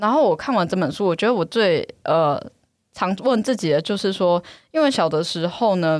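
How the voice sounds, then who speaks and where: A woman with a plain, everyday voice speaks at a moderate pace in a medium pitch, her intonation lively, in a very clean recording with a silent background. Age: 30s. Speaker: hotline intern. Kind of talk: casual chat.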